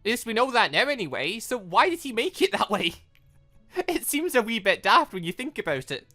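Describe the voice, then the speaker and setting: A British gaming host chats casually through a let's play, rambling and thinking out loud. The voice is bright and very animated in pitch, sitting at a medium height. Soft game music plays behind it. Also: fairly quick. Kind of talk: casual let's play commentary, reading game dialogue aloud.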